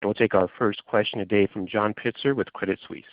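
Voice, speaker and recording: A man's voice: fairly low pitch, steady tone, quick pace, no room sound. A man working as a conference call operator, reading scripted instructions and announcements to callers. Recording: dull, dry phone conference audio.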